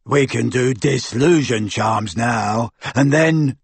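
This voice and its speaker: A man's voice: mid-range voice, gravelly, breathy edge, no room sound, heavily acted. A man voicing a hulking, dim teenage boy henchman, grunting and ungrammatical, in an audiobook. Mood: gormless pride. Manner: ungrammatical, slow, simple.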